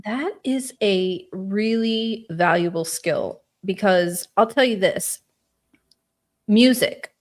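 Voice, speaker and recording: A woman's voice: mid-range voice, takes it slowly. A woman hosting a casual livestream chat, rambling and thinking aloud with many fillers. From Spain. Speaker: host.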